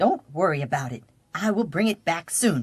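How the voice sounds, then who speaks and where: At a moderate pace and middle pitch, the speaker uses a cartoonish character voice. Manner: combative, indignant.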